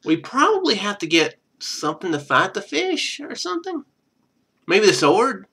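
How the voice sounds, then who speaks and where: A man's voice: high voice, huge pitch swings, normal speed, bright, forceful tone, husky. A man streaming a game, reading its text aloud and adding casual, wry asides.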